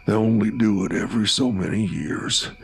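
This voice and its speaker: A man voicing a calm, burly hill man with a thick, flat rural American country accent. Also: lowish voice, normal speed, gravelly, breathy edge, voice pushed down, exaggerated voice. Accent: rural American country drawl. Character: gruff hillbilly man, calm, deadpan, heavyset.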